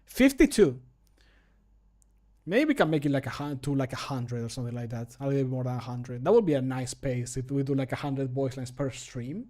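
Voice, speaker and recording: A man's voice: medium pitch, a little fast, darkish tone. A man in his thirties chatting casually and jokily on a livestream while he works, close to the microphone, sometimes muttering to himself and swearing. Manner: jokey, muttering to himself, profane. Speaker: streamer and game modder. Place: home desk setup indoors. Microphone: close desk microphone.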